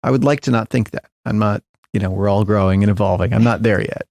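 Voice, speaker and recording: A middle-aged man speaks as a guest in a conversational interview, his low voice carrying a gravelly texture. He thinks aloud, circling back, hedging and restarting his sentences. The sound is close and dry. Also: quick pace, darkish tone, no room sound. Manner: thoughtful, hedging, frequent restarts and fillers. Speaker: podcast guest, tech founder.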